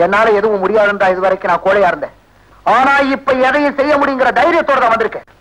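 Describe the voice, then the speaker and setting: An actor playing a gentle, desperate brother who pleads for justice, from an old film soundtrack with music behind. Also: male voice, steady tone, fast talker, poor audio. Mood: pleading. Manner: pleading, husky high voice.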